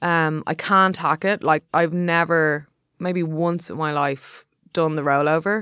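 A woman talks in a normal speaking voice, captured on a very clean recording with a silent background. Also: fairly low pitch for a woman. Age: 30s. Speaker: journalist and columnist. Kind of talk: casual interview chat.

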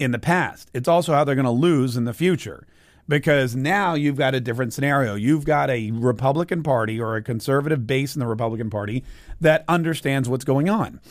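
Recorded very cleanly against a silent background, a man with an American accent and medium pitch talks at a fairly quick pace with ordinary pitch variation. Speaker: political podcast host. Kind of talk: political commentary monologue. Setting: home studio, new microphone. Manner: fast.

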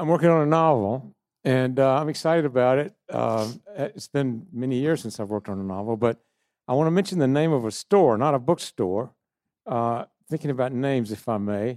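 In a very clean recording with a silent background and a dry, close sound with no echo, a man with an American accent uses a normal speaking voice at a medium pitch and a fairly quick pace. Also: lively intonation. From North Carolina, near Durham. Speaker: novelist.

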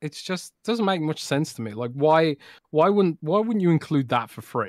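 A man with an English accent speaks at a moderate pace, his fairly high pitch lifted by lively intonation. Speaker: gaming journalist and podcast co-host. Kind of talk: casual chat.

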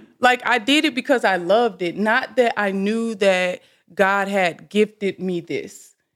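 In a very clean recording with a silent background, a woman with a normal speaking voice talks at a fairly slow pace, at medium pitch, with ordinary pitch variation. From Chicago, South Side. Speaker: motivational speaker and mentor. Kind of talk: interview, personal story. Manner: laughs often.

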